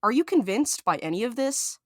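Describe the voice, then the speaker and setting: A woman's voice: a little high, sing-song, fairly quick, no room sound. A woman acting a sarcastic, anxious, grumbling reluctant explorer in a naturalistic audio drama, with a dry, complaining delivery. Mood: sarcastic, irritated.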